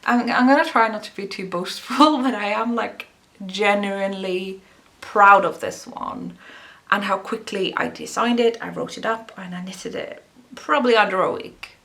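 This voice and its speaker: A woman's voice: mid-range voice, normal speed, a bit bright. A young woman hosting a knitting video podcast, chatting in a rambling, self-deprecating way. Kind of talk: casual vlog chat.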